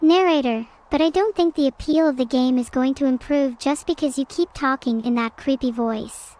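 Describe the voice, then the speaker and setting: A synthetic female voice of a streamer, deadpan and sarcastic in casual game chat. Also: sits high, normal speed.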